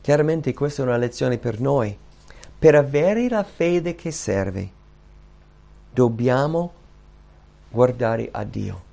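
A man preaching a sermon in animated storytelling style, acting out Bible scenes and repeating key phrases for emphasis. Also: mid-range voice, takes it slowly, gravelly, long pauses.

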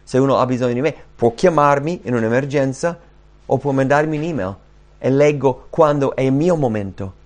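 A man preaching a sermon, earnest, rising and slowing down when he quotes scripture. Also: mid-range voice, darkish tone. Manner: earnest, rises and slows when quoting scripture.

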